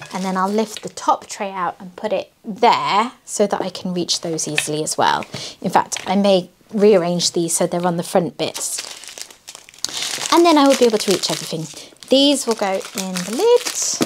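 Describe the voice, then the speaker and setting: Against noticeable background noise, a woman speaks at a moderate pace and a medium pitch with lively intonation. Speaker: craft vlogger. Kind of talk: casual chat.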